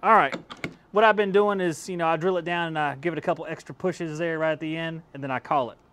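Here a tool-testing YouTube host talks fast in a slightly high, steady voice, with some background noise around him. Indoors in his home workshop among shelves of power tools, he gives a casual hands-on review through a lapel mic, easygoing and laughing at his results.

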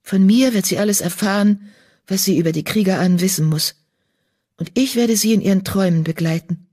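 A woman voicing a calm, kind young female medicine cat in an audiobook, speaking softly and reassuringly. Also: mid-range voice, a little fast, breathy edge, close to an everyday voice. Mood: soothing. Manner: soft, soothing, reassuring. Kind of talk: audiobook character voice.

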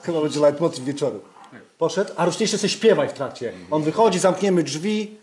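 Higher-pitched male director in echoey hall. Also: animated, brisk. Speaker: drama director. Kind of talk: informal rehearsal instructions. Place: large radio studio hall. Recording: echoey hall with music behind.

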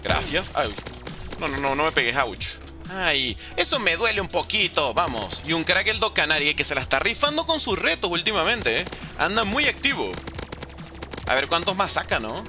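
A young man doing animated gameplay commentary, talking straight to his viewers. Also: fairly high pitch, normal speed. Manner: animated, excitable, talks to viewers. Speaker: gaming YouTuber. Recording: game music behind voice.

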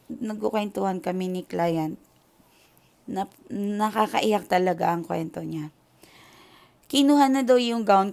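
A woman's voice: mid-range voice, a little mellow. A young Filipino woman telling a story to her viewers in an emotional, chatty way, switching between Tagalog and English. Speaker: tarot reader.

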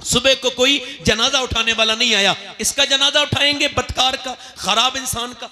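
A man preaching an impassioned religious sermon at a gathering, rising to shouts and acting out the voices of the people in his stories. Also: very high-pitched, fairly even intonation, moderate pace. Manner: fervent, rising to shouts, acts out voices of figures.

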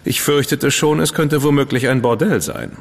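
An actor playing a witty, decadent dandy detective's partner in a German radio drama, flippant and ironic. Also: male voice, medium pitch, animated, moderate pace, creaky, in a large hall. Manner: flippant, ironic, self-satisfied.

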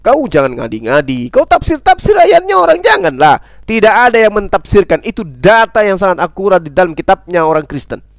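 Man, high voice, insistent debate preaching, repeated rhetorical questions, dry close sound. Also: big pitch swings, brisk, vocal fry, no room sound. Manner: repetitive rhetorical question-and-answer; forceful, insistent delivery. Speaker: Islamic preacher in interfaith debate. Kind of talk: emphatic debate sermon citing scripture.

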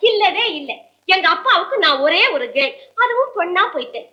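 A coy young sweetheart, with a very high, lively, singsong voice. Her tone is bright and clear. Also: brisk, muffled recording, full character voice. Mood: reassuring. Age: young adult. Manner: coy and playful. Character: coy young woman in love, playful. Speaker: film character. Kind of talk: 1960s film comedy acting.

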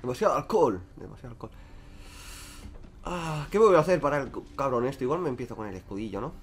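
Lively, fast-talking streamer guy. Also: mid-range voice. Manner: crude, joking, talks to chat. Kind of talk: casual gameplay commentary.

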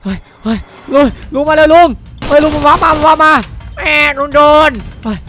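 ชายพูดตื่นเต้น รัวคำซ้ำ มีเพลงดังคลอ. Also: male voice, extremely high pitch. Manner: excitable, repeats words rapidly, shouts warnings. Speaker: player acting in a Minecraft roleplay cartoon. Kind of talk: improvised dramatic game roleplay. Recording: loud background music. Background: music.

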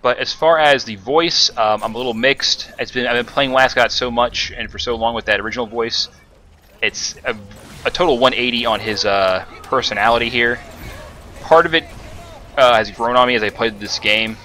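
A man's voice: mid-range voice, moderate pace, pushed and bright, a little hiss or hum. A man giving casual, rambling commentary over his own gameplay footage, with many fillers and restarts. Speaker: gaming commentator.

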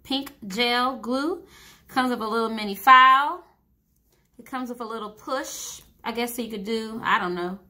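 A young woman casually talking through a home nail tutorial while she works at a table, thinking out loud and poking fun at herself. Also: a little high, normal speed. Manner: chatty, self-deprecating, thinking aloud while working. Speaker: beauty vlogger.

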